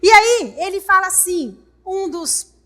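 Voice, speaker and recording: High, bright-voiced Brazilian woman preaching. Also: animated, a little slow. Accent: Brazilian Portuguese. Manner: emphatic, repeats phrases, addresses congregation directly. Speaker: pastor. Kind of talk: sermon.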